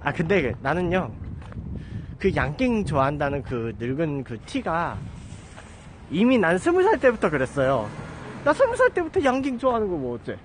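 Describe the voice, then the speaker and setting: A man's voice: a little high, wildly swooping pitch, moderate pace, slight background noise. Chatty man streaming while he walks. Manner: chatty, rambling, self-mocking asides. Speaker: live streamer. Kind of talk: casual walking livestream chat. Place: outdoors on a residential street. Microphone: handheld phone at arm's length.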